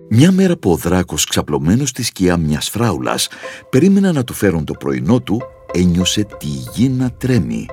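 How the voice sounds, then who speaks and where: Deep male narrator for a kids' storybook, animated and expressive.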